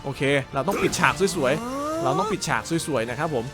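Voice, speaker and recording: Excitable high-voiced gamer. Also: male voice, fairly quick. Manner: animated, yells and repeats words during fights. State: slight sore throat. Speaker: gameplay commentator. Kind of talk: excited Let's Play commentary. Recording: game music playing loudly behind.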